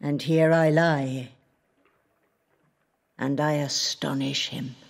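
An actress with a Northern Irish accent playing an ancient, watchful lake spirit in a literary audio drama, speaking in measured, hushed poetry. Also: female voice, low voice, fairly even intonation, gravelly, heavily acted. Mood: intent, watchful. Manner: measured, hushed, poetic storytelling. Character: ancient female spirit of a wild mountain lake, watchful, possessive.

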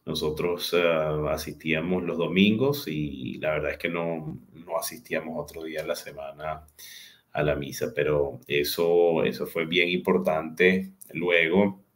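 Venezuelan guy in his 40s, low voice, talks slow with lots of ehs, webcam call from home. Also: fairly even intonation. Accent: Venezuelan Spanish. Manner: unhurried, with many hesitant fillers and restarts. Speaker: guest. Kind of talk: personal storytelling in an interview. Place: home room with a large window. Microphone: video call webcam.

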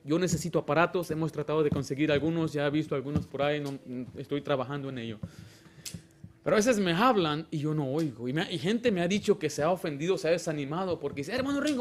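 A man preaching a sermon as pastor, animated, with sudden loud exclamations and quiet asides, and acting out other people in quoted lines. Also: on the high side. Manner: acts out children and church members in quoted lines.

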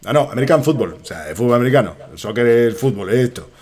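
A young man from Spain with a Spanish accent, giving rambling, excitable commentary while playing a soccer game and swearing often. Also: mid-range voice, very fast. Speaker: gaming streamer.

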